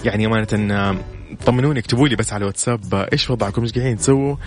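A man's voice: lowish voice, rapid-fire, faint music behind. A man hosting a morning call-in radio show with a Saudi Hejazi accent, chatty and effusive, repeating his words of praise into a studio microphone. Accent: Saudi Hejazi Arabic. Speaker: radio host.

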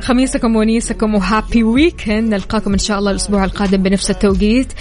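A woman's voice: mid-range voice, little pitch movement, very fast, darkish tone. A woman co-hosting a radio morning show, chatting playfully and announcing contest business. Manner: playful, bantering. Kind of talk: lively casual radio chat and contest announcing. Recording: music bed behind the voice. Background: music.

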